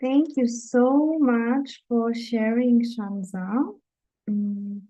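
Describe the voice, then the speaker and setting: A woman's voice: a little high, steady tone, drawn-out words, mellow, rough recording. A woman from Germany, a dating coach, speaking to viewers in an earnest, encouraging live webinar talk.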